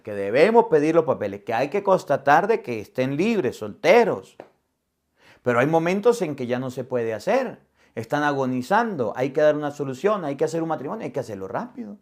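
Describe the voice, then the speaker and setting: High-voiced priest telling a story. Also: male voice. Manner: vivid storyteller who acts out dialogue. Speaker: Catholic priest. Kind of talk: sermon with personal storytelling.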